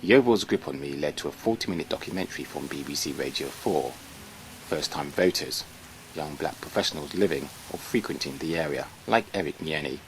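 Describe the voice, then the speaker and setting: A man's voice: a bass voice, fairly quick, a little hiss or hum, rough recording. A man giving scripted first-person documentary narration. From Britain. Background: music.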